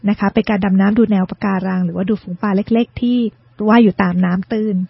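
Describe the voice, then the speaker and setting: A woman's voice: mid-range voice, steady tone, gravelly, breathy edge, muffled recording. A woman co-hosting a radio English lesson, patiently explaining vocabulary and pronunciation step by step. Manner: patient, explains words slowly and spells out pronunciation. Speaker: co-host teaching English vocabulary.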